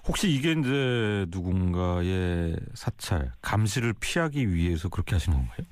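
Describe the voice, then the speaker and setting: A man's voice: deep voice, sing-song, moderate pace, no room sound. A man hosting a formal radio interview, asking questions in an orderly, polite broadcast manner.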